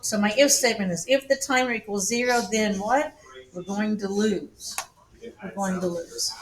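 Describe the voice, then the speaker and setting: Against noticeable background noise, a woman at a medium pitch speaks with lively intonation. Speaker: computer science teacher. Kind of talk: tutorial.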